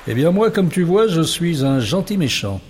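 A man's voice: fairly high pitch, big pitch swings, moderate pace, a little mellow, breathy edge, voice pushed up. A man voicing a teasing nightmare creature. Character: tiny crawling nightmare creature, playful, teasing.

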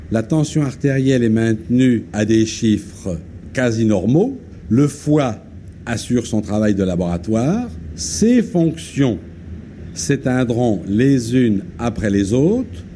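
A middle-aged male doctor on an old, worn archive tape from a 1963 broadcast, giving a formal, measured statement with long pauses. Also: medium pitch, mellow, a little hiss or hum. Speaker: hospital intensive care physician. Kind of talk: formal 1960s radio statement.

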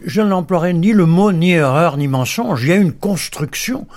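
A man's voice: high-pitched, normal speed, darkish tone. A man, a journalist and biographer, speaking in a radio debate, hesitant with frequent restarts and repeated words.

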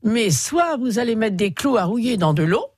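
Brisk woman giving garden advice. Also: on the high side, husky, dry recording, clean studio sound. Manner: brisk, lively, gives step-by-step tips. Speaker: gardening expert. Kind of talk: radio call-in advice. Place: radio studio.

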